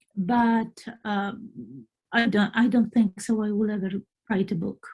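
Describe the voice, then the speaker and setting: A woman talks at a fairly high pitch with a non-native accent. Her voice is somewhat breathy. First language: not English. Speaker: dowsing teacher and healer. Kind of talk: lecture. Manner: halting.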